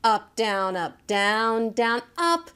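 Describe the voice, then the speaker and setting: High-voiced woman teaching guitar casually. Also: animated, extremely slow, sharp tone, smooth. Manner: informal, chatty, addresses viewers directly. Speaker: guitar teacher, online lesson host. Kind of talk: casual instructional lesson. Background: acoustic guitar.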